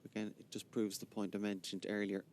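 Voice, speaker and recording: A man providing measured live commentary on a snooker match. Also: flat delivery, darkish tone. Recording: rumbly background noise.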